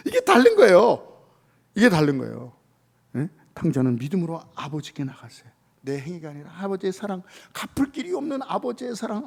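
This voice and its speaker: A man preaching a Sunday sermon as pastor, telling stories with lively acted-out dialogue and rising to shouts. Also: fairly high pitch, gravelly. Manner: animated storytelling, acting out quoted voices, rising to shouts.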